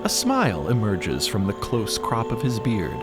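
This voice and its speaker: A man's voice: lowish voice, huge pitch swings, a little slow, loud music behind the voice. A man narrating a scripted story theatrically, with playful, dramatic emphasis.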